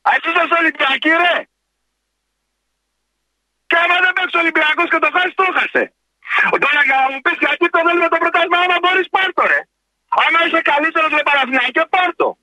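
A very high-pitched man with a sharp, cutting voice rants down the line at a sports phone-in, agitated and confrontational. His words come in rapid-fire bursts. The sound is dry and close. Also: no echo, poor audio. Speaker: radio show caller. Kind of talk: heated phone-in rant on football.

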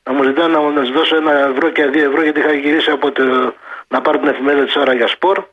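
A man's voice: a little high, fairly even intonation, breathy edge. A man calling a sports radio show, ranting heatedly and repeating his points. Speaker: caller. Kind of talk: casual call-in chat. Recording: muffled phone line.

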